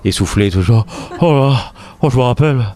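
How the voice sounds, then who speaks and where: A comedian from the French Riviera chatting in an interview, full of fillers and restarts and quick jokes. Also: male voice, medium pitch, lively intonation, a little mellow. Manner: hesitant, many fillers and restarts, jokey. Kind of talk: casual interview chat.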